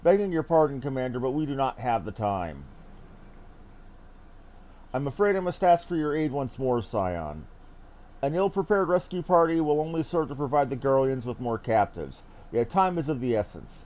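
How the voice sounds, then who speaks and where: A man voicing a grave, wary military captain from a fantasy game, formal and measured in his speech. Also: mid-range voice, big pitch swings, darkish tone, natural voice. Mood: urgent, deferential. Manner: formal, measured, archaic phrasing.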